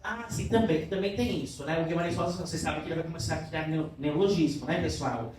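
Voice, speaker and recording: A man's voice: a little high, quick pace, darkish tone. A man teaching a literature class who keeps checking in with his students and asking them questions, affectionate with the class. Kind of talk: classroom lecture. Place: classroom in a cultural center. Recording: very echoey room, voice from far off, faint noise.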